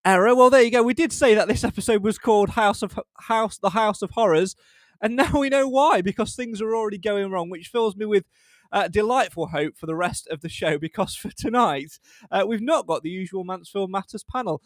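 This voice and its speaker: A man from the hosts a live football fan podcast over a video call. His voice sits fairly high, and the sound is dry and close. He talks in a chatty, self-deprecating way and often pauses on fillers. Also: no echo. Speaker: podcast host. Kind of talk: casual live podcast hosting.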